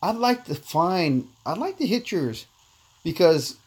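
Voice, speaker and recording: His voice is high and sing-song, darkish and slightly rough, and he takes his time as he hosts a casual mobile game livestream. Born in Korea and a native Korean speaker, he's laid-back and chatty, calling viewers "man" and reading their messages aloud.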